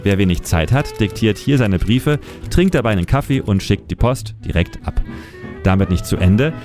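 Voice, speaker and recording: Lower-voiced man narrating a history feature. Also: expressive. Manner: measured, storytelling delivery. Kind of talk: scripted documentary narration. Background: music.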